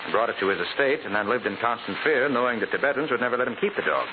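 An actor playing a confident private detective in 1940s radio style, explaining things precisely with an American accent. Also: male voice, mid-range voice, rapid-fire, narrow, tinny audio, close to an everyday voice. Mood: assured, explanatory. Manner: precise, expository, authoritative. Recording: hissy, band-limited 1940s radio recording.

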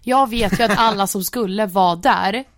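A woman's voice: mid-range voice, dry recording, studio quality. A young woman co-hosting a podcast in casual chat, teasing and acting out what others said. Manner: teasing, mimics others mid-story. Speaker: podcast co-host.

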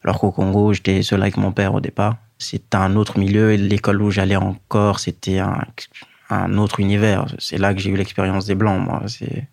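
A man in his thirties from Guinea, a native Fula speaker, telling his own story as an interview guest in a measured way with many pauses and fillers. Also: deep voice, completely flat delivery, creaky, darkish tone, no room sound, studio quality. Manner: measured, pausing often with fillers. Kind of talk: reflective personal storytelling.

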